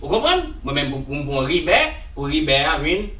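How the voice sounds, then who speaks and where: A high, bright-voiced man performs a comedy sketch, laughing often and switching between Creole and French. His pitch swings widely. He sounds roomy and distant from the mic. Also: very animated, a little fast. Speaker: comic lead in a sketch. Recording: echoey room, voice from far off.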